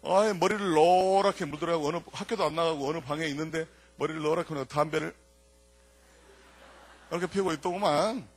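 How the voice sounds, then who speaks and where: An older man, a church elder telling a lively testimony to an audience, swinging between loud punchlines and quiet asides. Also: on the high side, fairly quick, slightly rough. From Jeolla, South Korea.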